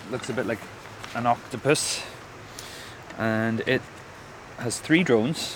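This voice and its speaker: Speaking in a Northern Irish accent, a man uses a medium pitch with ordinary pitch variation at a fairly slow pace, with long, frequent pauses and noticeable background noise. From Northern Ireland. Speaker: folk musician, piper. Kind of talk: casual interview chat. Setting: outdoors by a river.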